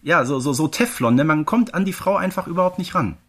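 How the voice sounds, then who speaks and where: A man's voice: a little high, expressive, quick pace, a bit bright, husky. A man co-hosting a podcast, chatting casually and analytically. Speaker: podcast co-host.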